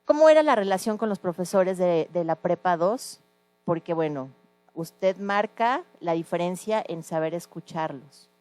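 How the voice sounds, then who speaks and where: A woman's voice: on the low side, animated, measured pace, a little mellow. A woman interviewing a former teacher, asking earnest questions with some hesitation.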